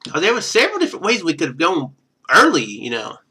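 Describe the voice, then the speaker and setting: Fast and with a breathy edge, a man with a bright, fairly high voice plays a game live, reading the narration aloud with very animated pitch. Afterward he settles into casual commentary peppered with wry, sarcastic asides.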